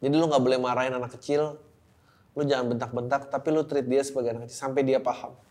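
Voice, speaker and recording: A man's voice: mid-range voice, flat delivery, fast talker, a little mellow. A young man with hosting a podcast, reading listener letters aloud and reacting bluntly with swearing. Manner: blunt and profane, reads letters aloud then reacts with laughter. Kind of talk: casual podcast chat.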